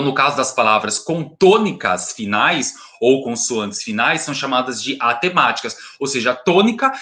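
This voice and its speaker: A Brazilian man teaches a recorded grammar lesson. His voice is bright and clear, at an ordinary pitch for a man. He asks questions and answers them himself, and he lingers on single words and repeats them. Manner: pauses on and repeats single words and word parts.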